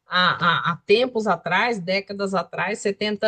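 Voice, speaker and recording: A woman's voice, fairly high in pitch. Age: 60s. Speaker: study group participant. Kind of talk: group discussion. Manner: halting.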